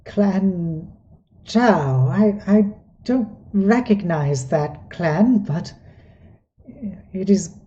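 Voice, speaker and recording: A stately elderly goblin chieftain, voiced by a woman, speaks in a slow, low and courteous way. His tone is mellow and soft. The recording sounds dull and lo-fi. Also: lively intonation, a little hiss or hum.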